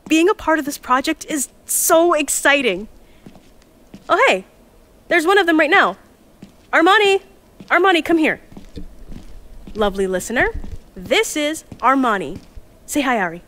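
A woman's voice: high voice, very animated, unhurried, pauses often, bright, forceful tone, heavily acted. An actress playing Jules, a cheerful, chatty young woman who organizes a time capsule team. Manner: bubbly, chatty, flustered. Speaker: narrator of time capsule recordings.

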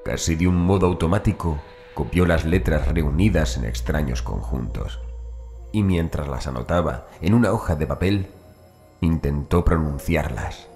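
A man with an extremely low voice narrates a horror story. It is a scripted audiobook reading with music playing behind him. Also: moderate pace, warm tone.

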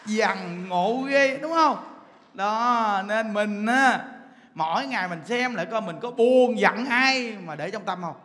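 A man with a Southern Vietnamese accent preaches a Buddhist sermon in a strikingly high voice. He peppers the crowd with rhetorical questions, chuckles, and stretches out words for emphasis. The sound rings with the long reverb of a temple hall. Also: expressive, a little slow, bright, forceful tone. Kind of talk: dharma talk.

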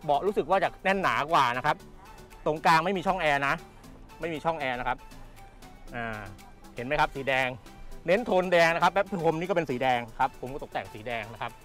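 At a busy indoor motor show, a man films a casual walkaround of a car, chatting away and going over his points more than once. His voice is on the high side, expressive, fairly bright and a little quick, and he ends phrases with polite particles. He's off camera using a handheld camera mic, with faint music in the background.

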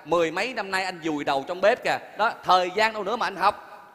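Brief: whiny henpecked husband in his fifties, high bright voice, stage hall echo. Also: fast. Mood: defensive. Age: 50s. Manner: whiny, defensive. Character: henpecked middle-aged cook, former doctor. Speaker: restaurant cook husband. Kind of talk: stage comedy sketch.

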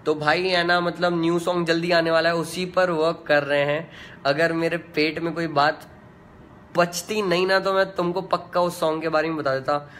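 A young man, a singer, chatting casually in a fan live chat, reading out comments in a relaxed way with many fillers. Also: on the high side, normal speed. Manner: laid-back and chatty, full of "yaar" and "matlab" fillers.

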